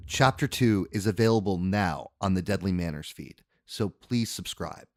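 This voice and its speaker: A man's voice: deep voice, normal speed, no room sound, studio quality. A man presenting a podcast in a casual sign-off style.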